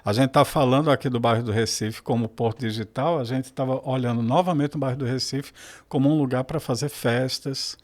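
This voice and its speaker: A man's voice: mid-range voice, fairly even intonation, brisk, a little mellow. A man, a guest on a podcast, talking in a reflective, rambling way and correcting himself as he goes. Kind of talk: casual podcast conversation.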